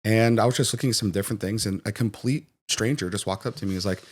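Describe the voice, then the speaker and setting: Brief: low-voiced, quick man born in Jamaica and raised in Florida, a lively podcast guest who voices the people in his stories. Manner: animated storyteller, acts out quoted voices. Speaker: guest, financial professional. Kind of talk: conversational podcast interview.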